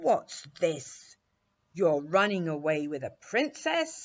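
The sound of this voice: A woman puts on a character voice that is booming and growling. She uses a fairly low pitch and a fairly slow pace.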